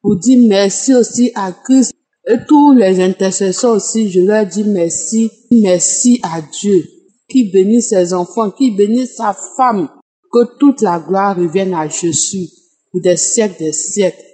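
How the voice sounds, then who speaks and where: A woman closing a spoken testimony with slow, prayerful thanks. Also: mid-range voice, warm tone. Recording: reverberant hall with faint music.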